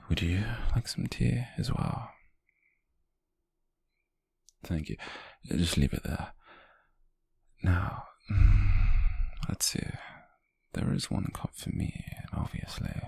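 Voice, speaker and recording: A British man playing a possessive, wealthy young yandere in an ASMR roleplay, coaxing haltingly in a breathy, husky whisper with soft menace. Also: low voice, animated, no echo, exaggerated voice. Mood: polite, musing.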